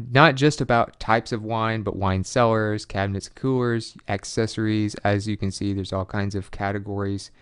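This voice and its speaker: Tutorial host, male, clear, dry close-mic sound, loose, chatty delivery with fillers. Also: fairly low pitch, dry recording. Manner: loose and conversational, frequent fillers, reads out web addresses. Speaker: online money tutorial presenter. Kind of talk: casual screen-share walkthrough.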